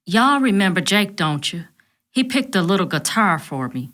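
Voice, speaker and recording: A woman voicing a hurt, fragile singer, speaking in a slow drawl through tears. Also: medium pitch, very animated, fairly bright tone. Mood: sorrowful. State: tearful.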